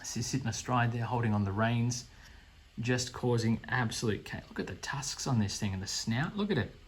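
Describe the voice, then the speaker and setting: A man's voice: medium pitch, fairly even intonation, normal speed, slightly rough. An Australian man gushing with enthusiasm as he unboxes a board game, speaking casually. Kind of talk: unboxing commentary.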